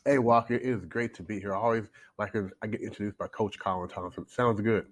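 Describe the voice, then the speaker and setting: Male podcast guest, 40s, from Canada, low-pitched, chatty storyteller who stumbles and restarts. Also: fairly even intonation, fast. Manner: talkative, storytelling with restarts and repeated words. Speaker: guest, coach. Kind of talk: casual interview talk. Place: home in China, remote call.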